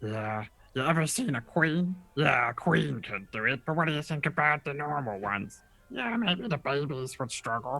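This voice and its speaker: This is a put-on character voice with a low-to-middle pitch. The pace is moderate. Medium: actual play.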